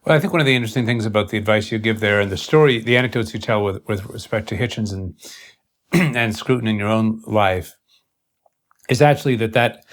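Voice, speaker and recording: Low-voiced man, deliberate and halting. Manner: deliberate, halting, formal wording in broken phrases. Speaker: interviewer. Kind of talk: intellectual interview conversation.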